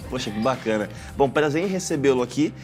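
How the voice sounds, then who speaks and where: A man, a pastor, hosting a youth gospel TV talk show, enthusiastic and quick to exclaim. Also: mid-range voice, lively intonation, music in the background. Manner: enthusiastic, exclaims and laughs often.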